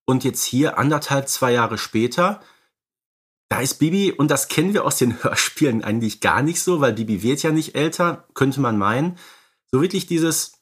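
A man's voice: mid-range voice, expressive, normal speed, fairly bright tone, breathy edge. A man co-hosting a podcast, discussing films casually and conversationally, often checking for agreement. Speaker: podcast co-host.

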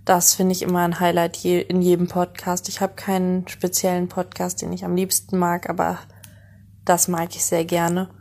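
A woman's voice: lowish voice, monotone, normal speed, a little mellow. A woman in her mid-twenties giving a listener's message for a podcast. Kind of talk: spoken fan voice message.

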